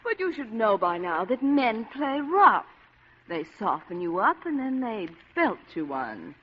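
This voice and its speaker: A glamorous, manipulative wife who talks silky and coy, her pitch swooping up and down. The lo-fi radio recording sounds dull, with a faint hiss behind it. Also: big pitch swings, a little slow. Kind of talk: 1940s radio acting.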